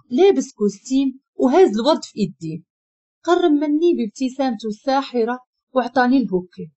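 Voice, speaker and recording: Lively Moroccan woman telling a story. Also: fairly high pitch, dull audio. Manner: emotional, dramatic reading. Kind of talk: first-person story narration.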